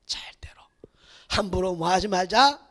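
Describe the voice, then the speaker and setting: Male pastor, lively up-and-down pitch, gravelly bright edge, shouts then hushes, long church reverb. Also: normal speed. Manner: swings between loud shouted exhortation and hushed near-whispers, repeated hallelujahs. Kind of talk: Sunday sermon. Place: church sanctuary.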